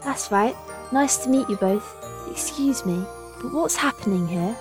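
A woman's voice: a little high, expressive, a little slow, over music. A woman playing a polite, curious little girl in a dramatised story, earnest and innocent. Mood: puzzled, polite.

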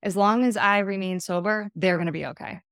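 A woman's voice: mid-range voice, steady tone, fairly quick, a bit bright, dry recording, studio quality. A woman in her thirties, a podcast guest, telling her recovery story in an earnest, reflective way. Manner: earnest, reflective, speaks in short plain sentences. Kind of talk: candid personal recovery story.

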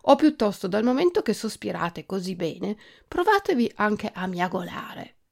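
A woman's voice: mid-range voice, big pitch swings, normal speed, creaky, darkish tone. A woman voicing a brusque, bossy male cobbler in a storybook. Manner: brusque, commanding.

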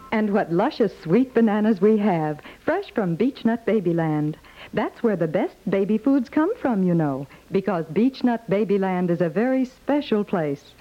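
Cooing, animated radio commercial spokeswoman. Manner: cooing, effusive sales pitch. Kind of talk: 1950s radio advertisement, scripted. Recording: muffled 1950s radio recording.

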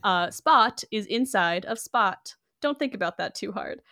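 A woman's voice: mid-range voice, animated, a little slow, pushed and bright, dry recording. Woman podcast host, chatty plot recaps with fillers, dry close sound. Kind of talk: casual movie recap chat.

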